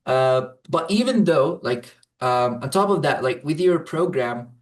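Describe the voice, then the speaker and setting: This English teacher and program client grew up in Saudi Arabia and speaks Arabic as his first language. He sounds fairly high and expressive, keeping a measured pace on a distant mic while he answers interview questions hesitantly, full of fillers and restarts.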